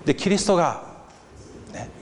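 A man preaching a sermon, telling a story and acting out the voices of a crowd with lively animation. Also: moderate pace. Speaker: pastor. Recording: reverberant hall with faint background noise.

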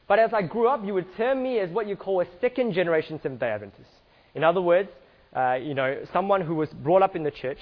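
A man from Singapore with a slightly high voice speaks earnestly to a church gathering, often stopping to restart his sentences. The sound is a bit dull and muffled. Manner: earnest, many restarts and fillers. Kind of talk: church presentation with slides.

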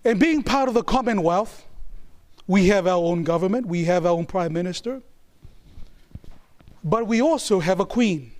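A man's voice: high voice, animated, normal speed, long pauses, darkish tone. A man from New Zealand preaching a sermon in an emphatic style, repeating key phrases and calling for answers from the congregation. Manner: call-and-response, asking the congregation to answer.

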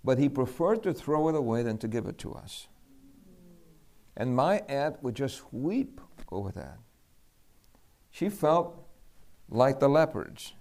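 A man from Puerto Rico preaching a sermon, telling a lively personal story and acting out the dialogue. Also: mid-range voice, unhurried, long pauses.

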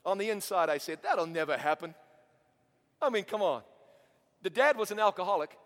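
A man from New Zealand with a slight American tinge, preaching a story-driven sermon in an animated, chatty way with self-mocking asides. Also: high voice, fairly quick. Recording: long hall reverb.

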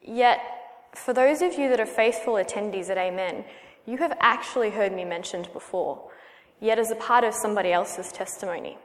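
An Australian woman in her thirties, praying and then giving her personal testimony as a guest speaker in a church, earnest and measured. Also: medium pitch. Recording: long hall reverb.

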